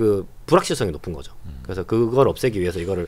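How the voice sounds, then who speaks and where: With a Daegu accent, a man talks at a very fast pace with vocal fry. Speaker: asset management CEO and activist investor; guest. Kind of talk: interview. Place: studio. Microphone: studio mic.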